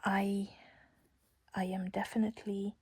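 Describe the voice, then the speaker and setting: A woman's voice: medium pitch, flat delivery, measured pace, husky, dry recording. A young woman whispering a casual personal story close to the mic, chatty and giggly.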